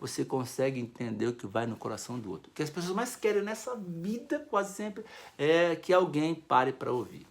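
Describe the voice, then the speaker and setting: A man's voice: a little high, normal speed. A man with a Brazilian Portuguese accent giving a conversational talk on family life, often acting out short dialogues. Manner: animated, conversational, acts out little dialogues. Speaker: family counselor speaker.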